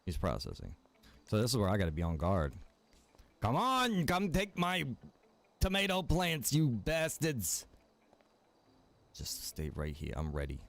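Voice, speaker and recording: A man's voice: medium pitch, huge pitch swings, unhurried, long pauses, no room sound. A man streaming a game, chatting casually with viewers, rambling and joking as he plays. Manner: rambling and joking, chats to viewers and reacts while playing.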